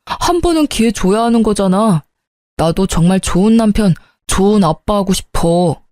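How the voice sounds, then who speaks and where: A young husband begging his wife for one more chance, apologetic and pleading, as a woman narrator acts him out. The voice is mellow and warm, recorded close and dry for a spoken story. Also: medium pitch, lively intonation, normal speed, no echo, lightly acted.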